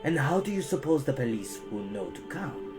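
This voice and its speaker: A reader voicing a menacing adult male villain who talks slowly in a low, whispery snarl. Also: sing-song, over music, natural voice. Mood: mocking.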